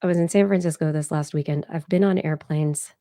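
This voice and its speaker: A woman co-hosting a podcast, hoarse, chatting in a rambling, casual way with soft asides. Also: low voice, steady tone, a little fast, no echo, studio quality. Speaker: podcast co-host. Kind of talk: casual chat.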